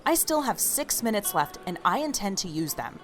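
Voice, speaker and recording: A woman's voice: medium pitch, very animated, moderate pace, soft background music, natural voice. A woman playing a fed-up, defiant young diner waitress in a naturalistic audio drama. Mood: indignant. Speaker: podcast drama actress.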